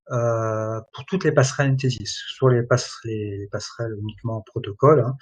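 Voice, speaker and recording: A man presenting and demoing software in a webinar, talking in a halting way and filling pauses constantly. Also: mid-range voice. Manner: hesitant, many fillers like voilà and hein. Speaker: product presenter.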